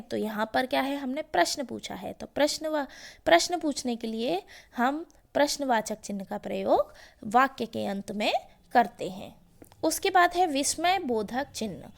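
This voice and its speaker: Woman, teacher, grammar lesson for children, high-pitched, gravelly, explains patiently through questions and examples.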